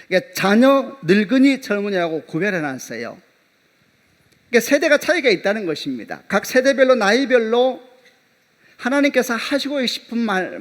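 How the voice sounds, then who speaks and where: Animated male pastor preaching. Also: on the high side. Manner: animated storytelling, acting out dialogue. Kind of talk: sermon.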